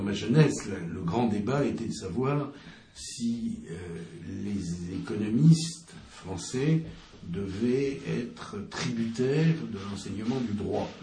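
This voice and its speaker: A man with a medium pitch speaks very slowly with lively intonation. Audible room echo and noticeable background noise surround him. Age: old. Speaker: political commentator. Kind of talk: radio discussion on economics.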